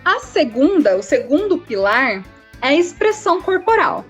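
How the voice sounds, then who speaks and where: High-voiced Brazilian young woman explaining. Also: moderate pace, faint music behind. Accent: Brazilian Portuguese. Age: young adult. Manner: didactic, lively explanatory tone. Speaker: guest speech therapy student. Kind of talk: podcast interview, explaining.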